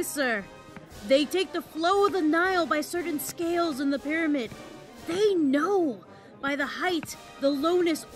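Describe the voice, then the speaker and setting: A woman playing a wry, teasing Roman reveler in a Shakespearean audio drama, spinning tales in a measured, tongue-in-cheek way. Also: sits high, fairly bright tone.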